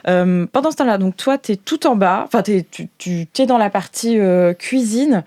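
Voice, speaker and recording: A woman hosting as game master, narrating an improvised tabletop game in a playful, colloquial, halting way. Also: mid-range voice, lively intonation, dark tone, dry recording.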